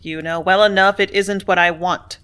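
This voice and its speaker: A woman's voice: mid-range voice, a little fast, bright, forceful tone, natural voice. A woman reading the part of a brusque, blustering male factory superintendent who snaps and roars at his clerk. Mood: angry. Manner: snapping, roaring, bullying.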